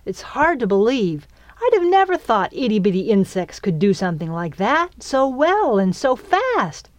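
Woman playing an excitable, high-voiced young girl. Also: normal speed, no echo. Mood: eager. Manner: over-enthusiastic, gushing.

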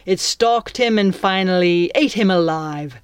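A woman's voice: fairly low pitch, measured pace, smooth, dry recording, clean studio sound, natural voice. A woman voicing a menacing male pirate captain in an audiobook, with a commanding, taunting, theatrical manner. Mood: quiet menace.

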